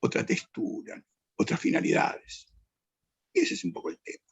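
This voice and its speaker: An older man, a judge reminiscing in an interview, digressive and correcting himself as he goes. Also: moderate pace. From Argentina. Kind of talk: anecdotal interview answer.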